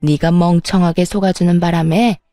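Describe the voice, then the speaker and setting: A woman's voice: lowish voice, steady tone, normal speed, dark tone, no echo, faint music behind, lightly acted. Woman doing a gloating scheming mother-in-law. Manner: gloating, then fake wailing. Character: scheming spiteful middle-aged mother-in-law.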